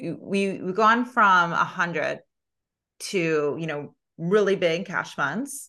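A woman's bright, sharp voice at a medium pitch, with lively intonation and a very slow pace. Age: 30s. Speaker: podcast host and business coach. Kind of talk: casual interview chat; scripted promo read. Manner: animated.

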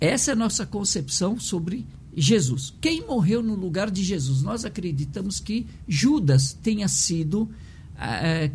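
A man talks at a fairly slow pace in a high pitch. His pitch swings very widely. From Lebanon, then Brazil from age seven. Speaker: Islamic religious leader. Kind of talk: interview conversation. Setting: studio. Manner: hesitant, many fillers.

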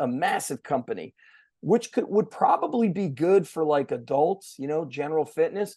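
Against a quiet background, a man speaks at a moderate pace. His pitch is fairly high, and his tone is dark and mellow. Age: 40s. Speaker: strength coach and gym owner. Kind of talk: casual interview. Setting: podcast recording. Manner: animated.

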